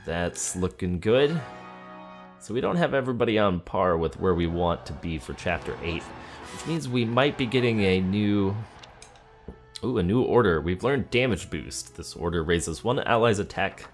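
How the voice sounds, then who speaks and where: A man's voice: sits low, expressive, normal speed. A man doing game commentary for a let's play, reading in-game text and talking through his choices. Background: game music.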